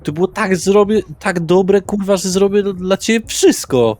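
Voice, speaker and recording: A man's voice: high voice, normal speed, a little mellow, pitched above the performer's own voice, lightly acted. A man voicing a cocky, eager young street tough who swears and talks in pushy slang in a tabletop roleplaying game. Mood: eager, excited.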